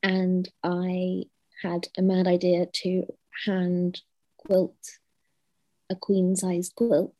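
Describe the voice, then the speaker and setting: A woman artist being interviewed over a video call, speaking in an unhurried, hesitant way with many ums. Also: lowish voice, completely flat delivery, mellow, no echo. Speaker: guest artist. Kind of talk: casual interview chat.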